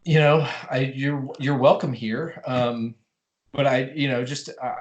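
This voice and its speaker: A man's voice: medium pitch, fairly even intonation, a little slow, lo-fi sound, close to an everyday voice. A man playing a stammering, flustered monk. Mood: earnest. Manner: stammering, earnest, keeps correcting himself. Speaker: improv performer.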